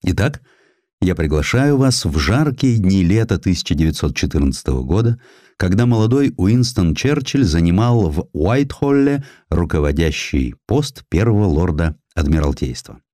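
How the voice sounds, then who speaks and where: A man narrating a scripted historical essay as an audiobook, telling it in an expressive, measured, literary manner. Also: sits low, dry recording, clean studio sound. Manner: expressive, measured storytelling delivery.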